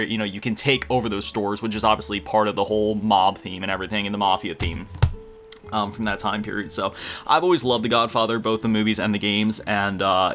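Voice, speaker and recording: A young man chatting casually about his video game collection, rambling with quick self-deprecating asides. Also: lowish voice, fairly bright tone. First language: English. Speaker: gaming YouTuber.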